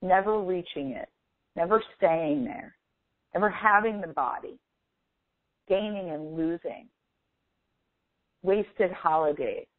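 A woman leading a guided meditation as a coach, speaking in a slow, deliberate, instructive manner with long pauses. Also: lowish voice, no room sound. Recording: phone-like thin, band-limited audio.

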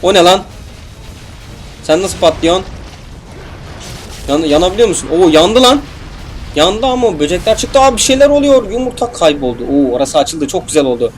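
A man's voice: sits high, animated, moderate pace, pauses often, a little hiss or hum. A young man casually commentating a video game, joking, swearing and talking back to the enemies on screen. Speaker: gameplay commentator. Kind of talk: casual let's play commentary.

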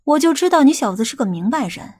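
Woman playing a high-voiced, stern female investigator. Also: very animated, fast, darkish tone, a little hiss or hum. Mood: knowing. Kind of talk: audiobook character dialogue.

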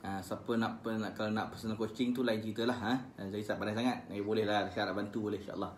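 A man with a Malaysian Malay accent teaching Quran recitation on a live stream. He chants verses slowly, then corrects pronunciation in quick, casual asides. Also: fairly low pitch, fairly even intonation, echoey room, slight background noise. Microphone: phone live stream.

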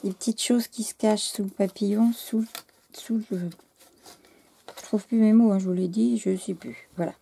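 A French woman hosting a scrapbooking channel, gushing in casual chat to camera, halting and losing her words, her voice going hoarse. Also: mid-range voice, steady tone, dark tone.

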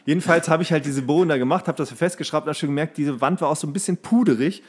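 A man's voice: a little high, breathy edge. Man rambling through a casual story. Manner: halting, self-correcting storytelling. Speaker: podcast host. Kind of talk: casual chat, rambling anecdote.

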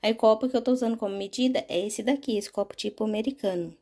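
A woman's voice: fairly high pitch, quick pace, mellow. A woman with a Brazilian accent narrating a recipe casually and informally, often checking in with her listeners. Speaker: home cooking vlogger.

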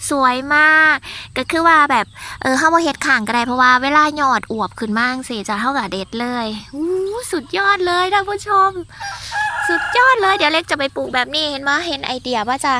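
Speaking fast with few pauses, a high-voiced woman with an Isan accent leads a chatty walking tour of her vegetable garden. She exclaims often and talks straight to her viewers, with noise in the background.

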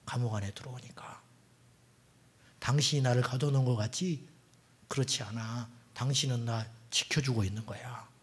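A man's voice: medium pitch, normal speed, slightly rough, close to an everyday voice. A man voicing an imprisoned Christian nobleman who answers his jailer with bold, matter-of-fact retorts. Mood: defiant.

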